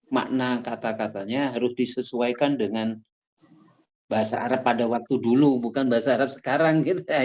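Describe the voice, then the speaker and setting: A man adding explanations in a casual religious study talk, speaking in a measured, explanatory way. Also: medium pitch, a little mellow, rough recording.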